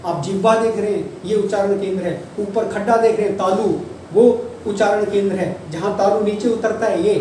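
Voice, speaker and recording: A male teacher lectures on grammar in a patient, repetitive style, drawing out each example syllable by syllable. His voice is mellow and set back from the microphone. A heavy room echo and a faint hiss sit around every word. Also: sits high, steady tone. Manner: explains patiently, repeats key terms and drawls examples slowly. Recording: distant mic, echoey room, faint noise.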